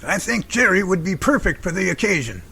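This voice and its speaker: Man playing brisk rescue leader, noisy background. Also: sits high, sing-song, gravelly, pushed and bright, exaggerated voice. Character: brisk, decisive male rescue team leader. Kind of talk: amateur audio drama acting.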